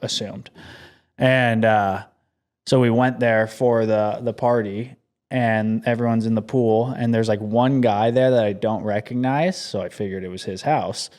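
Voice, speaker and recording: A man's voice: lowish voice, fairly even intonation, measured pace, darkish tone. Laid-back young man rambling through stories. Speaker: podcast co-host. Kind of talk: casual chat.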